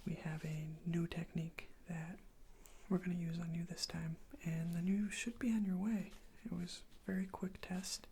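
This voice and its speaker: A softly whispering ASMR performer playing a medical examiner, gently reassuring and giving step-by-step instructions in a breathy voice. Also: mid-range voice, level tone, normal speed. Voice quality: breathy whisper with some creaky fry. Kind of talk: ASMR role play, soft whispering to the listener. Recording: faint background noise.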